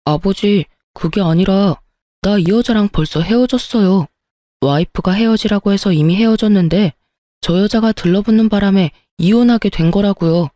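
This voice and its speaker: A woman's voice: medium pitch, moderate pace, dark tone, dry recording, close to an everyday voice. Brief: woman voicing a self-justifying cheating husband, begging, dry close voice. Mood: defensive. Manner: pleading, defensive.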